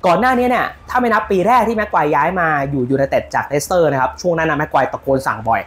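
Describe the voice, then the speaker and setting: Animated man talking football news. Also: on the high side, rapid-fire. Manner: animated, shouts out players' calls while explaining. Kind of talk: casual football news commentary.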